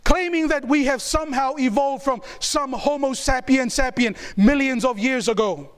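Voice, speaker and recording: High-voiced preacher from New Zealand. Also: male voice, normal speed, clean tone. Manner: call-and-response, asking the congregation to answer; emphatic, repeats key phrases. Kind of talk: sermon.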